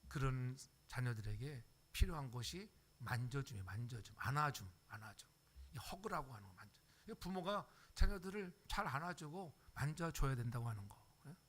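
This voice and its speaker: A man's voice: medium pitch, animated, normal speed, a bit bright. An older man preaching a sermon as pastor, acting out everyday voices and checking in with the congregation. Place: church sanctuary.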